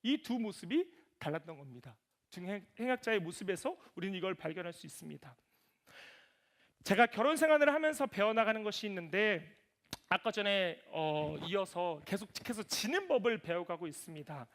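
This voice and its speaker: High-voiced, animated young preacher. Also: male voice, brisk. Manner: animated storytelling, voices his toddler and himself. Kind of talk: sermon. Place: church sanctuary.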